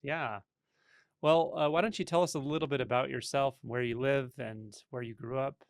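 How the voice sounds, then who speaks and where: A man hosting a channel interview, asking loose, gentle questions with a few fillers. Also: mid-range voice, fairly even intonation, moderate pace, gravelly. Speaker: host.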